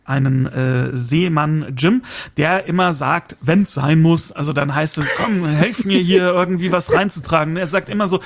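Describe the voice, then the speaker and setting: Higher-pitched, gravelly man chatting enthusiastically. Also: normal speed. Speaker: podcast host. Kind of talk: casual chat about audio dramas.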